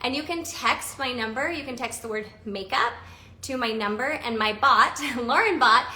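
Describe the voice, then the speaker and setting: A woman's voice: on the high side, moderate pace, sharp tone, roomy sound. A woman in her forties hosting a casual live stream, chatty and bubbly, laughing often as she talks through makeup. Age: 40s.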